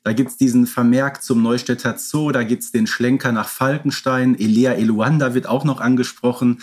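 A man's voice: medium pitch, fairly even intonation, normal speed, a little mellow. A man co-hosting a podcast, talking casually and colloquially, often adding little tag questions. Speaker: podcast co-host.

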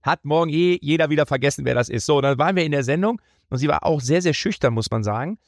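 A man's voice: fairly high pitch, expressive, quick pace, no room sound, clean studio sound. A man chatting as a podcast guest, telling playful anecdotes in a joking, self-mocking way. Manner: playful anecdote-teller, slips into mock accents. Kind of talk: casual chat.

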